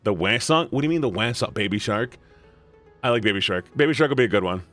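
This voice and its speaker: A man streaming as he voices a visual novel, joking excitedly and asking his chat for ideas. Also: on the low side, fast, faint music behind. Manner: excitable, jokey, asks chat for input.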